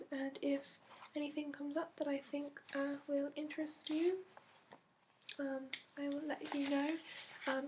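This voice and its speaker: A woman voicing a patient dragon expert in an ASMR roleplay, soft-spoken and hesitant, with a put-on accent. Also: sits high, a little hiss or hum, close to an everyday voice. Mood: polite, helpful. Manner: hesitant, gentle, meandering explanations with frequent fillers. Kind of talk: ASMR roleplay, hushed and improvised.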